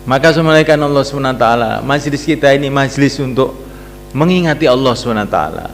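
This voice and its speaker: A man's voice: medium pitch, lively intonation, quick pace, slight background noise. A man preaching a sermon, telling a story with acted voices and emphatic repetition. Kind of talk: Islamic sermon. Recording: echoey hall with faint music.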